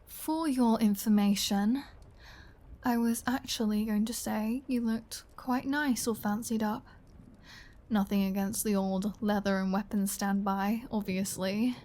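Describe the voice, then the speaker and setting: Actress as a flirty female vampire, unhurried pace, mid-pitched, playful menace, sardonic teasing, intimate ASMR roleplay delivery. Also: fairly even intonation, mellow, close to an everyday voice. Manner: teasing, sardonic, drawling, drops into breathy whispers. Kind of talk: ASMR audio roleplay, intimate scripted acting.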